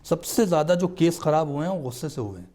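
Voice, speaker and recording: A man speaks as a guest on a studio talk show, earnest and emphatic as he explains his point. His voice sits a little higher than most men's. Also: expressive, dark tone. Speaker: religious scholar guest.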